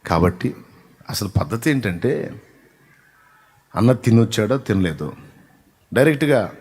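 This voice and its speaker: A man with a Telugu accent, a pastor preaching, moving from soft asides to loud, rising exhortation. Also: on the low side, lively intonation, a little slow, husky. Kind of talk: sermon.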